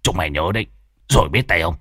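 A grumpy bald old man growls threats in a gruff voice, as a male narrator puts him on. He sounds sullen and spiteful. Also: low-pitched, expressive, fast, bright, forceful tone, dry recording, clean studio sound, heavily acted. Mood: threatening.

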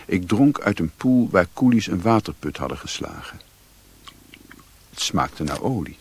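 Adventurer narrating his own story, radio drama, really deep n husky, lots of ups and downs. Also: sing-song, unhurried, a little mellow, a little hiss or hum. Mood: reflective, narrating.

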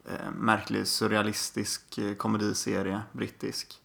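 A young man chats casually as podcast co-host in a living room. His voice is low and gravelly with a bright, forward edge. He tosses off dry, laid-back remarks. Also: completely flat delivery. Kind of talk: casual chat.

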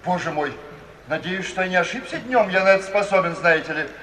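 An actor playing a gentle, flustered middle-aged artist in a 1950s radio play, hesitant and effusively polite. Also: male voice, high voice, lively intonation, brisk, slight background noise. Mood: timid, apologetic. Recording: distant, echoey hall, old 1950s radio recording.

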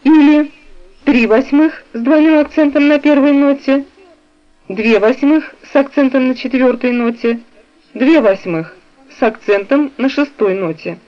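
A woman reading a music theory textbook aloud in a slow, measured way, describing the notation on the page. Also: high voice. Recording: dull, lo-fi recording.

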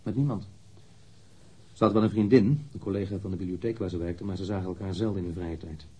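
Low, husky, blunt male witness. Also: fairly even intonation, quick pace, dark tone. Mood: blunt, terse. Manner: matter-of-fact, precise, blunt. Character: jealous male ex-lover, blunt, candid police witness. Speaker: witness under questioning. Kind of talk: radio drama interrogation acting.

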